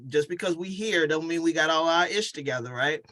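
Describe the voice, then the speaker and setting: A woman's voice: sits low, fairly quick, a bit bright, no echo. An American woman hosting a casual interview like a coach, emphatic and affirming as she talks and asks questions.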